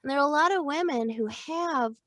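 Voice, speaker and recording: A middle-aged woman voice actor, a guest on a podcast, chatting casually in a playful, expressive way, laughing often and restarting her thoughts as she goes. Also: sits high, a little fast, dry recording, clean studio sound. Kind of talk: casual interview chat.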